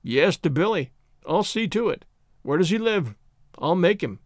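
A man plays an intense young man in a dramatised story, stern and jealous. His delivery is urgent and imperative, with a raised, very animated pitch. The sound is dry and close. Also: moderate pace, no room sound. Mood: stern, resolute. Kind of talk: dramatised audiobook story reading.

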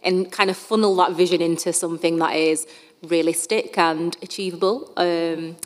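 A woman's voice: lowish voice, steady tone, normal speed. A woman with a Bradford accent answering interview questions in an open, reflective, conversational way. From Bradford, England. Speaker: guest artist, soul singer. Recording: echoey hall-like reverb.

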